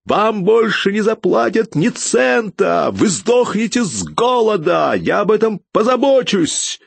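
A man reading an audiobook, voicing a smug, petty male welfare official who questions coldly and turns shrill when scared. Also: normal speed, no echo. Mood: hysterical. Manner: smug and coldly calm, turning hysterical.

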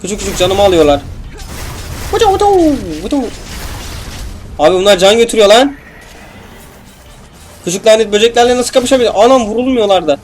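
A man's voice: high voice, fast talker, pauses often, faint music behind. A young man casually commentating a video game, joking, swearing and talking back to the enemies on screen. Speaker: gameplay commentator. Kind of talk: casual let's play commentary.

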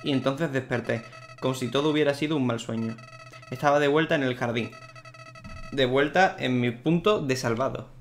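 A creepy talking flower with no feelings left, once a little boy, as a gamer reads him out, medium-pitched and plain, told like a story, faint game music behind. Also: normal speed, lightly acted. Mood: somber.

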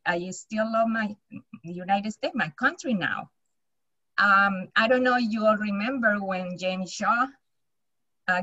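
A middle-aged woman with a Colombian accent, a native Spanish speaker, sharing personally in a halting, earnest way. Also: medium pitch, bright, forceful tone, no echo, lo-fi sound. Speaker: participant in a group video call. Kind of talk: personal sharing in a group discussion. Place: small home office, indoors. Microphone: computer mic on a video call.

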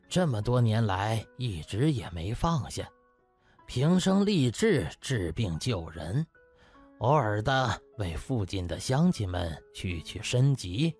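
Man voicing a humble old country doctor, husky. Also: fairly low pitch, darkish tone, exaggerated voice. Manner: old-fashioned, literary, modest phrasing. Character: elderly male country doctor, humble, courteous, genial.

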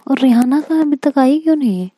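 A woman's voice: sits high, animated, fast, dark tone, no room sound, voice pushed up. A woman voicing a playful young woman who teases her shy partner, in a whispered role-play. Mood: teasing. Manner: teasing, coaxing.

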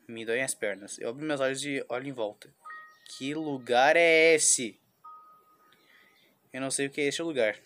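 A man reading a visual novel aloud, voicing a despairing young schoolgirl, halting and restarting words. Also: mid-range voice, a little hiss or hum, close to an everyday voice. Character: despairing young schoolgirl, anxious and self-blaming.

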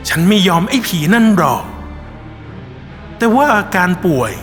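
A man telling a scripted ghost story in a measured, somber first-person voice. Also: high-pitched, big pitch swings. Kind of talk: scripted horror narration. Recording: long reverb with soft music behind.

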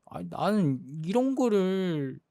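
Actor as a sulking jealous young boyfriend, slightly high voice, very dry close mic. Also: male voice, sing-song, takes it slowly, vocal fry, warm tone, no echo, heavily acted. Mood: exasperated. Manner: sulky, hurt, exasperated complaining. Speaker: jealous boyfriend in role-play. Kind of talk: boyfriend role-play drama.

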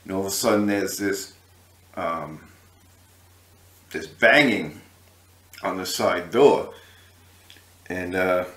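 A man's voice: low voice, takes it slowly, long pauses, a bit bright. A man casually retelling a story as a video host, rambling with fillers and asides. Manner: rambling, many fillers and asides, laughs at his own story. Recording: echoey room.

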